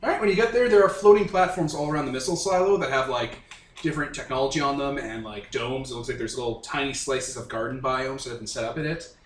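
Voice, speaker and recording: Acting as game master at a tabletop game, a man improvises narration in a casual, conversational way, speaking informally to other players in an indoor room. His voice is mid-range and quick. The recording is echoey and faintly noisy, with him far from the mic.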